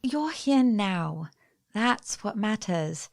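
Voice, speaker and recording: A woman's voice: mid-range voice, expressive, extremely slow, vocal fry, no echo, clean studio sound, full character voice. A woman playing a tender young fiancée. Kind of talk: radio play acting.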